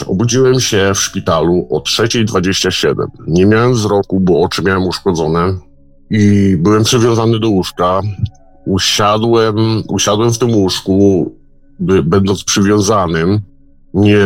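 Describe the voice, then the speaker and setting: A man telling a personal story in casual speech, halting, with repeated words and restarts. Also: low-pitched.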